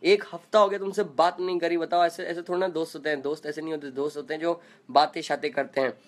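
A man's voice: fairly high pitch, level tone, fast talker. A man chatting playfully and non-stop in a casual live video chat, reading out comments as a singer host. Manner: playful, joking.

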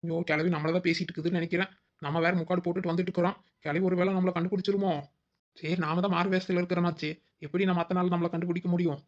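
A woman plays a scheming, exasperated young village daughter-in-law in a cartoon comedy, muttering fretful asides very rapidly in a fairly low voice. The delivery is flat and close to her everyday voice, and the recording is a little dull, with the highs cut off.

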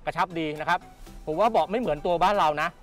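A man's voice: high-pitched, quick pace, faint music behind. A man giving a casual walkaround tour of a car at a busy indoor motor show, chatty and repeating his points as he films. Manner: chatty, repeats points, ends phrases with polite particles. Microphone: handheld camera mic, presenter off camera.

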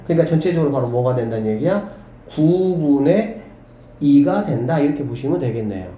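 A man teaching a math class to students, lively and often checking whether they follow. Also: a little high, highs cut off. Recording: echoey room with faint background hum.

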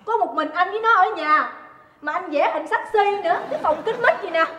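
A woman's voice: expressive, brisk. An actress with a Southern Vietnamese accent playing a middle-aged jealous wife who scolds and mocks her husband in a stage comedy. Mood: accusing. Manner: shrill, scolding, sarcastic. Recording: roomy stage hall, faint noise.

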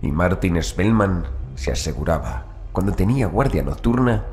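A man narrating a horror audiobook, reading scripted prose in a measured, formal way. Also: low-pitched, animated, darkish tone.

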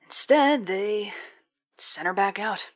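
A woman's voice: mid-range voice, animated, slow. A woman playing a cold, condescending villainous spy commander in an audio drama. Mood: menacing, gloating. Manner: condescending, taunting, menacing.

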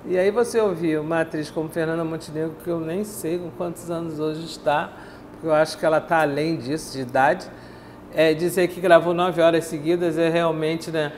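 An older woman with a deep, steady, darkish voice conducts a casual studio interview, seated in a bright TV studio. She recounts anecdotes at great length, repeating phrases, on a lapel mic with slight background noise.

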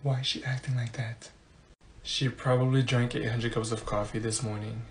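A woman acts out a mouthy high school girl in a classroom comedy skit. She is grumpy and sassy, with a blunt, complaining way of talking. Her delivery is that of a student who cannot be bothered. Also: moderate pace, a little hiss or hum, close to an everyday voice. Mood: muttering, bored.

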